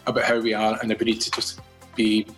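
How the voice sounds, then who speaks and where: A man's voice: on the low side, completely flat delivery, fairly quick, a bit bright, faint music behind, rough recording. Rambling older Scottish man. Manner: rambling, with many repeated words and restarts. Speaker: guest from a fathers' charity. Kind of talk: casual radio interview.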